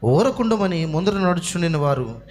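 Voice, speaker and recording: A man reading a scripture passage aloud in a steady, formal way during a sermon. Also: a little high, moderate pace. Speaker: scripture reader. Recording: long reverb in a large hall.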